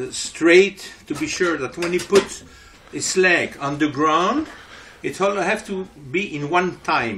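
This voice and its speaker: Talking at a very slow pace, a man with a non-native accent uses a high pitch and ordinary pitch variation amid noticeable background noise. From Belgium. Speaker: blacksmith. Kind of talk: interview. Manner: halting.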